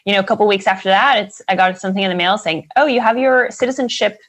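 A young woman from the Netherlands talks easily as a guest, her voice sitting at an ordinary middle pitch. She strings her thoughts together with lots of fillers and quick laughs. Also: a bit bright. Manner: chatty, many fillers and laughs. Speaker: guest, financial advisor. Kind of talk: casual interview chat.

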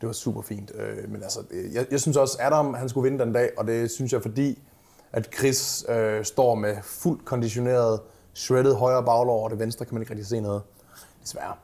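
A man's voice: mid-range voice, gravelly. Chatty man, a coach telling stories. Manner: lively storyteller, casual swearing, many fillers. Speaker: bodybuilding coach. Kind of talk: casual podcast chat.

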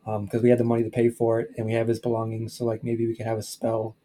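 Mellow-voiced man listing ideas hesitantly. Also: medium pitch, completely flat delivery, fast talker. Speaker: player. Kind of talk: casual podcast chat.

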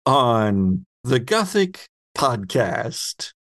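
A man hosting and narrating a tabletop game as game master, with deliberate, descriptive storytelling. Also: medium pitch, sing-song, fairly bright tone.

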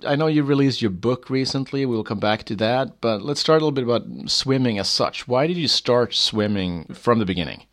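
A man's voice: medium pitch, lively intonation, a little fast, few pauses. A man with a Swedish accent who speaks Swedish natively, hosting an interview podcast and asking plain questions with some fillers. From Sweden. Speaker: podcast host.

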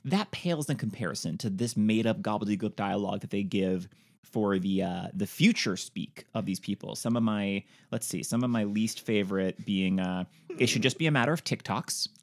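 A man's voice: fairly low pitch, moderate pace, a little mellow. A man co-hosting a film podcast, chatting casually with lots of fillers, restarts and laughter. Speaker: podcast co-host.

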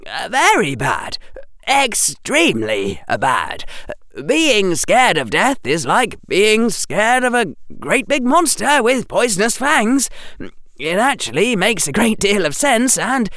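A reader voicing a precocious boy wizard who explains things in an earnest, eager, lecturing way, pitched high. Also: big pitch swings, slow pace, a bit bright, no room sound, studio quality, heavily acted.

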